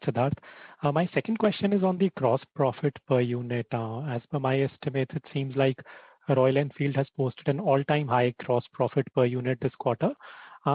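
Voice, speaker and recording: A man's voice: medium pitch, dry recording. A man speaking as a financial analyst, putting questions to company management on an earnings call. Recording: dry phone-like call line.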